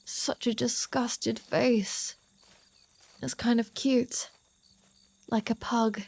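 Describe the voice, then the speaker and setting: Slow, teasing vampire woman, acted by a woman. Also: a little high, steady tone, gravelly, a little mellow, slightly rough, full character voice. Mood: mocking, amused. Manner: teasing, sardonic, sweary, drawling. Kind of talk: ASMR roleplay audio drama addressed to the listener.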